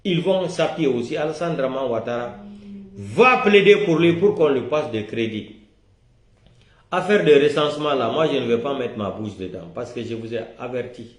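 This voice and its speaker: A man's voice: mid-range voice, lively intonation, moderate pace. A man with a West African accent delivering a vehement, accusatory political rant, with commanding, repetitive and emphatic declarations. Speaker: political video commentator. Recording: roomy, echoing room.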